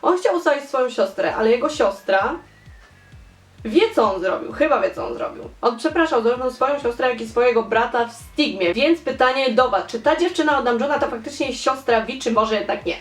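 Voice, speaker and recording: A young woman chats animatedly as she reads viewer comments, her voice sitting a little high. She piles up repeated words for emphasis. The room around her rings with echo. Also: expressive, brisk, soft background music. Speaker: fan theory vlogger. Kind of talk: casual chat reading comments. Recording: echoey room.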